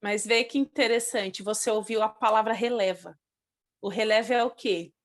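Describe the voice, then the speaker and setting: A woman leading a study group, speaking calmly and slowly and asking reflective questions. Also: on the high side. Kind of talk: reflective guidance.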